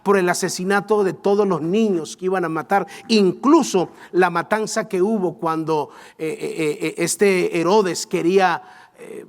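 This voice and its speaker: Male pastor, sermon, impassioned, emotional shouts, drawn-out emphasis. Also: high voice, gravelly.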